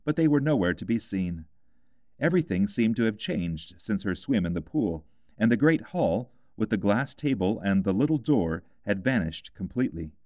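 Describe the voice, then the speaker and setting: Male storybook narrator: lowish pitch, lively intonation, dry close sound. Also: normal speed, no echo. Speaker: audiobook reader.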